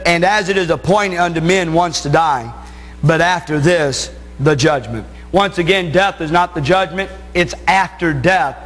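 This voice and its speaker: A middle-aged American man preaches from the Bible in a notably high-pitched voice. He leans hard on key phrases, stretching them out for emphasis. The sound carries the long reverb of a church hall. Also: a bit bright. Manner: emphatic, stressing key phrases with drawn-out words. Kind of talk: Bible sermon to a congregation. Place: church sanctuary, at the pulpit and pacing beside it.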